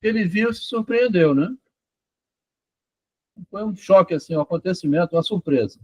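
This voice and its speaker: A husky man with a slightly high voice chats at length in a casual, meandering way, often tagging his sentences with little checks to the listener. The sound is dry and close, with no room around it. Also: expressive, normal speed, no room sound, rough recording. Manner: rambling, frequent "tá?" and "né?" checks. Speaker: author discussing his doctoral thesis. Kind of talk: casual conversation about psychoanalysis and literature.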